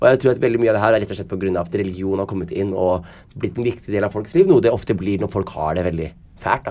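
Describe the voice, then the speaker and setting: With a dark, mellow tone and fairly low pitch, a man speaks very fast with ordinary pitch variation. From Norway, Somali family. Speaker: podcast guest. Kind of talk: casual chat.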